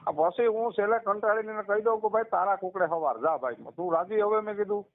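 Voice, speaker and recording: A man with a Gujarati accent speaks in a high-pitched voice over a narrow, tinny phone line. He is defensive and halting, often restarting and repeating words as he argues his side. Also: no room sound. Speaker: caller in a dispute. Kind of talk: casual phone argument. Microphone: telephone line. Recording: tinny, narrow-band phone call recording.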